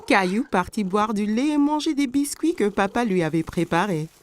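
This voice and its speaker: A woman narrating a scripted story for young children in a clear storytelling manner. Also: medium pitch, lively intonation, moderate pace.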